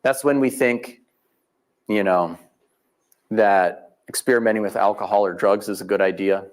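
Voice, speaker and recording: Man telling stories, lower voice. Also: fairly even intonation, normal speed. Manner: acts out voices in his stories. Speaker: speaker at a tribute event. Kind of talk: storytelling talk.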